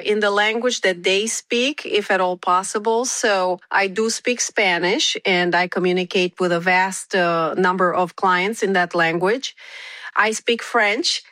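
A woman, an immigration attorney answering interview questions in a measured way, pausing often with fillers. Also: medium pitch, pushed and bright, no echo. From Romania. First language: Romanian. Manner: measured, with frequent filler pauses.

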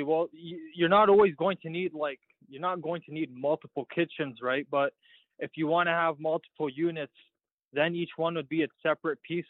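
A man's voice: a little high, no echo. Teen male student guest, phoned in, eager rambling explainer, thin phone sound, dry. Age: teens. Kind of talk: phone-in radio interview. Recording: tinny phone line.

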